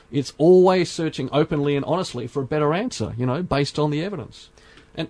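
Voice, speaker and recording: A man's voice: medium pitch, a little mellow, no echo. Earnest male podcast host, dry sound. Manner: earnest, speaks in measured phrases with many fillers. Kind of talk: casual podcast discussion.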